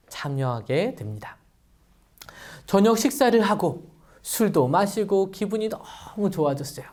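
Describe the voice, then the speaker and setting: Children's pastor, woman, animated storyteller who quizzes the kids. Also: on the low side. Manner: lively, addresses children directly with questions.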